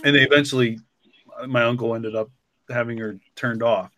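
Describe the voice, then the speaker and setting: A man's voice: medium pitch, steady tone, normal speed, fairly bright tone. A man talking casually and reflectively, rambling with lots of "like" and "you know". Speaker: podcast co-creator and story author.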